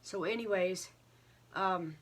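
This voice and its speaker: A woman giving a casual, earnest update to viewers, halting and a little short of breath as she recovers from illness. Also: fairly low pitch. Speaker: craft vlogger.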